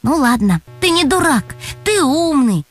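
A woman voicing a bossy, quick-tempered schoolgirl in a children's audio tale, high and whiny. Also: expressive, fairly bright tone, faint music behind. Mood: pleading. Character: bossy nerdy schoolgirl, sharp and easily angered. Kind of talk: audiobook character voice.

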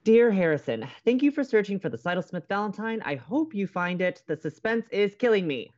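Guy acting dramatic moody young college radio host, hopeless romantic, pitch all over, slightly muffled, romcom podcast. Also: big pitch swings, a little fast, darkish tone. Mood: sulky, subdued. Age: young adult.

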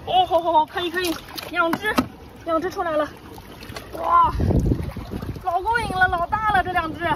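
A woman vlogging as she forages on a rocky seashore, giving excited live commentary full of delighted cries. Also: very high voice, normal speed, noisy background. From Shandong, China. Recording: distant mic with loud outdoor ambience.

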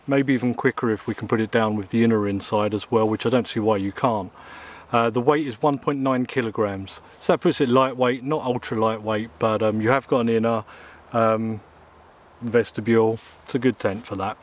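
Speaking at a moderate pace in a steady, medium-pitched voice, an English man casually talks through a gear review out in the woods, with plenty of ums and uhs. A camera mic records him both close and at mid distance as he moves in and beside a small tent.

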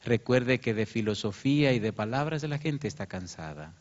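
A man's voice: animated, moderate pace. A man preaching a sermon as pastor. He tells a story with feeling and raises his voice when he quotes people. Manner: emotional storytelling, rising pitch when quoting. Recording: muffled lo-fi sermon recording.

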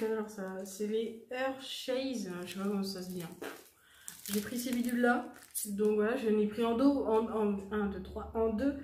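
A woman's voice: on the high side, mellow. A young woman chatting casually through a shopping haul, rambling and correcting herself with many fillers. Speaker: vlogger showing a shopping haul. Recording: echoey room with faint noise.

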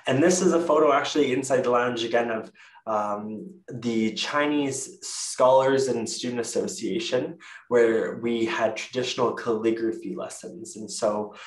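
A young Canadian man giving a casual university info presentation over a video call. He often pauses with fillers and corrects himself. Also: mid-range voice. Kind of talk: virtual info session presentation. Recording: echoey room, distant mic.

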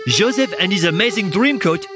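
A man's voice: high voice, lively intonation, normal speed, over music. A man playing a pompous, easily offended thespian with a theatrical manner. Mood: haughty, affronted.

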